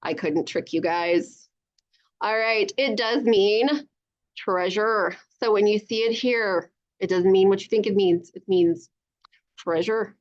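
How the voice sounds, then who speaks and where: A woman reading a storybook aloud to children over a video call, with animated narration and encouraging, chatty asides, in dull lo-fi sound. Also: medium pitch, takes it slowly. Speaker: children's author reading own book aloud.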